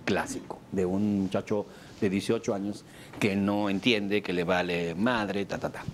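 A man with a Mexican accent, a therapist giving a talk to a live audience, animated and theatrical, acting out examples with sudden leaps in pitch. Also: unhurried, vocal fry, a little hiss or hum.

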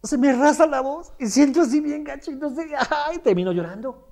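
A man's voice: very high voice, a little fast, a little mellow, pitched above the performer's own voice. A man voicing a tearful, anxious adult whose voice breaks, whiny and shaky. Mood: distressed.

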